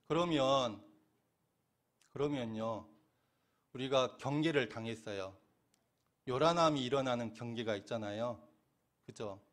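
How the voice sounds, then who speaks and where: Male minister, middle-aged, mid-pitched. Delivers a questioning, conversational sermon. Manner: asks questions and answers them himself, laughing now and then. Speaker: Won Buddhist minister.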